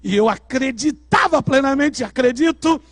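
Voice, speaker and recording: Brazilian male preacher, very high voice, dramatic testimony with shouted peaks, dry sound. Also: expressive, normal speed, no echo. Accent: Brazilian Portuguese. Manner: dramatic storytelling, shouting at climaxes. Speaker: pastor. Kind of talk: sermon testimony. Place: church service.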